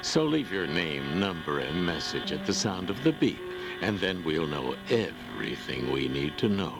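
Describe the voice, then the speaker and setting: A man's voice: rumbling low, very animated, normal speed, vocal fry, noisy background. A man reading scripted parody announcements in a theatrical way. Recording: loud music behind.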